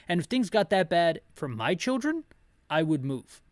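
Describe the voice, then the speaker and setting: A man's voice: fairly high pitch, very animated, measured pace, no echo. A man giving casual, rambling playthrough commentary, full of slangy, joking asides. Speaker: host of an audio-description game playthrough. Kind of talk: casual playthrough commentary with read-aloud dialogue.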